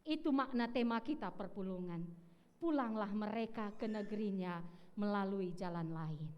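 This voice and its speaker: A woman's voice: on the high side, highs cut off. A woman pastor giving an earnest storytelling Christmas Eve sermon in a church. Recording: echoey church hall.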